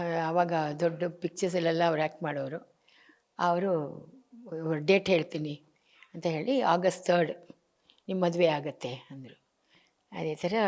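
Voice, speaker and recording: A woman's voice: lowish voice, a little mellow. An older actress, talking about her late husband in an emotional interview and acting out his remembered words, with English phrases mixed in. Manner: mixes in English phrases, acts out remembered dialogue.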